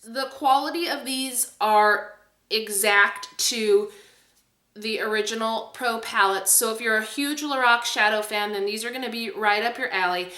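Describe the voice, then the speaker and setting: Female beauty vlogger, bright and emphatic, chatty review delivery in an echoey room. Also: a little high, unhurried. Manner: enthusiastic, emphatic. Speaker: beauty video host. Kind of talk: casual product review to camera.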